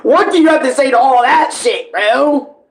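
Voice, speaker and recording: A man streaming a live reaction, talking casually and with plenty of slang. He swears freely and keeps an animated, informal manner as he comments. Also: very high-pitched, normal speed.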